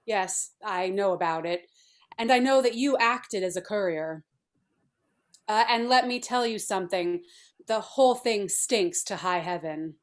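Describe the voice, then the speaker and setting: At a film script table read, a woman plays a brisk, haughty feminist artist, speaking in a formal, clinical, matter-of-fact manner. Her voice is natural and medium-pitched, and her mood is businesslike and blunt.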